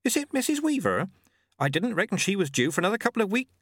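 A man's voice: sits high, huge pitch swings, normal speed, bright, forceful tone, breathy edge, dry recording, clean studio sound, voice pushed up, heavily acted. A man voicing a young, eager village witch and midwife, chatty and flustered.

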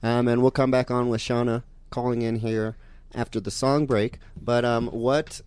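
A man's voice: mid-range voice, level tone, normal speed, darkish tone, smooth, no room sound. A man hosting a talk show, speaking emphatically and often checking in with "you know?". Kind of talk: casual radio talk.

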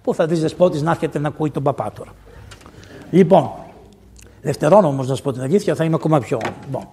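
A man, a priest, preaching a lively storytelling sermon in an amphitheater, acting out the dialogue of his story with sudden loud outbursts. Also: a little high, slightly rough. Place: diocesan amphitheater.

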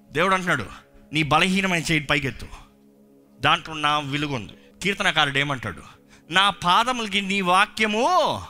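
A man's voice: sits high, pushed and bright. A man preaching a passionate sermon as pastor, mixing in English phrases and calling on the congregation to respond. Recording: faint music behind.

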